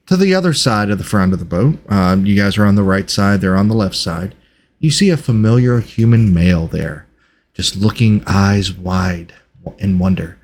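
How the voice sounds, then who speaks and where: A man narrating a tabletop game as game master, improvising scenes in measured phrases with pauses. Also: on the low side.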